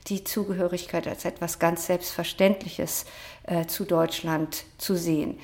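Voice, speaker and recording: A woman author answering interview questions in a measured, academic way, with frequent hesitation sounds. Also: lowish voice. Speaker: author and social scientist, interview guest.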